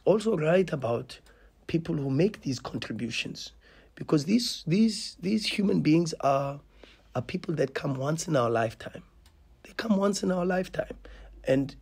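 At a post-match press conference in a small press room, a South African football coach in his thirties speaks passionately into a table mic on a stand, repeating and restarting words for emphasis. His voice is a little high and darkish, with vocal fry and a breathy edge.

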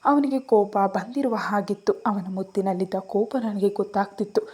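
A woman's voice: medium pitch, fairly even intonation, normal speed, a little mellow, slightly rough, no room sound. A young woman narrating a first-person romance story in a tender, emotional way.

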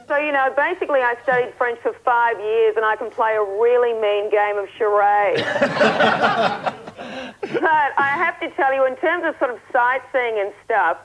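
A woman's voice: on the high side, slow, pauses often, a little hiss or hum, low-quality recording. A woman in her thirties with an Australian accent, telling a comic travel story in a wry, self-mocking way over a link to a TV studio. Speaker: comic correspondent. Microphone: earpiece link from a studio desk.

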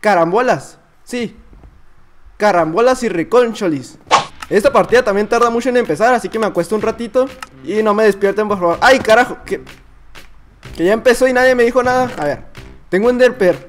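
A man playing an excitable Mexican little boy. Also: high-pitched, a little fast, soft background music, natural voice. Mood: playful. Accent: Mexican Spanish. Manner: childish, excitable, chattering to himself. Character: boastful, naive little boy gamer. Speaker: gamer. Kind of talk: comedic gameplay commentary.

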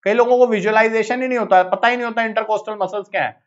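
A man with an Indian accent teaching biology in a live online exam-prep lecture, brisk and coaxing, repeating phrases to hurry his students along. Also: sits high, fairly even intonation. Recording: slightly dull lo-fi audio.

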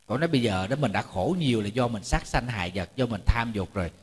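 A Buddhist monk with a lowish, expressive voice and a breathy edge talks fast through a chatty storytelling sermon. He often repeats words and jokes with his audience in a temple lecture hall, and the hall's reverberation is audible.

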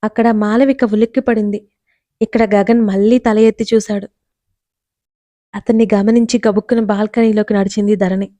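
Woman reading a love story aloud, steady, mellow, dry close sound. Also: mid-range voice, normal speed, no echo. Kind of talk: scripted story narration.

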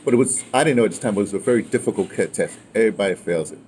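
A man in his sixties with an American accent and a fairly low, warm-toned voice. He tells stories in a casual, digressive way, looping back and checking that he is followed. He is recorded outdoors with some ambient noise behind him. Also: rapid-fire. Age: 60s. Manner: animated, rambling, digressive, often ending phrases with "right?" and "you know". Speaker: guest recounting his radio history. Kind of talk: casual conversational storytelling. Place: outdoors, by a house with a wooden awning.

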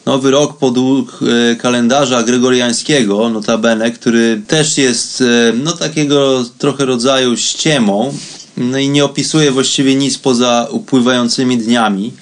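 A man's voice: mid-range voice, fairly even intonation, measured pace. A man hosting a spirituality radio show, giving a reflective solo monologue in a conversational way, addressing listeners directly.

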